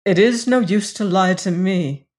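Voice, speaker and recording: A woman's voice: fairly low pitch, a little slow, lightly acted. Woman playing a grave, proud young gypsy woman. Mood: curt. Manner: curt, grave, self-controlled.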